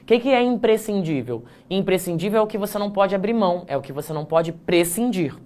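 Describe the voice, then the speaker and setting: A man teaching an online essay-writing class, joking at his own slips, drawing words out slowly to show how they are pronounced, and checking in with the class often. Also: high voice, animated, a little mellow. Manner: playful, self-mocking, frequent "tá?" check-ins; stretches words slowly to demonstrate pronunciation.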